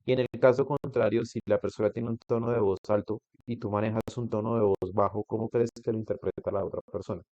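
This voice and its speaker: A man's voice: on the low side, fairly even intonation, fast talker, hardly any pauses, no echo. A man teaching an online class, explaining step by step and putting questions to a student, with frequent restarts. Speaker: instructor. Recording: dull lo-fi recording.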